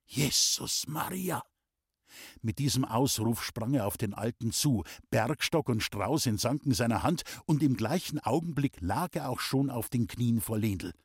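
Man, audiobook reader, classic novel, measured narration, husky voice, dry close sound. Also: medium pitch, animated, no room sound.

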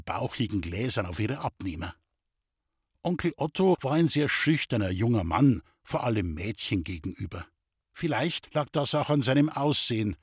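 A man from the Bavarian Forest reading aloud from his own childhood memoir in an even, unhurried storytelling manner. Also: mid-range voice, husky, dry recording, clean studio sound. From Bavarian Forest, Germany.

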